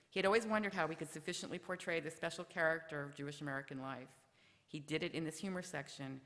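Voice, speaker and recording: A woman giving measured prepared remarks at a memorial session, reading from her text. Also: low-pitched, fairly bright tone. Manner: measured, ends with a told joke. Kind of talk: prepared remarks read aloud. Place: lecture hall. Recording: lecture hall reverb.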